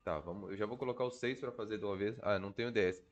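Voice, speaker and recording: A Brazilian gaming video creator thinks aloud during gameplay, his nose stuffy and congested from a cold. His lowish voice races along in informal, slangy commentary with swearing.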